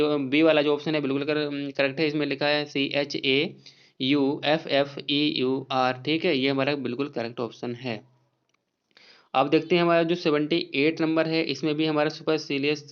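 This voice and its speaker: A man's voice: a little high, clean tone, dull audio. A man teaching exam spelling questions, going over each option and spelling words out letter by letter.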